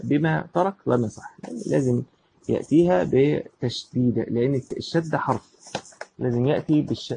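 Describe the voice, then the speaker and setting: A man's voice: mid-range voice, creaky, a little mellow, a little hiss or hum. A man with an Egyptian accent teaching Islamic law. He reads a line from a classical book and then explains it in everyday speech, often asking a question and answering it himself. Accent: Egyptian Arabic. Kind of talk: lecture explaining a classical text.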